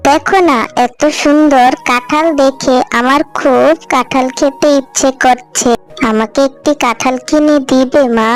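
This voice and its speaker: A woman's voice: high voice, fairly even intonation, a little slow, faint music behind. A woman voicing a young girl fox cub in a cartoon, pleading with her mother again and again. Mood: whiny. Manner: whiny, pleading. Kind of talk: cartoon voice acting.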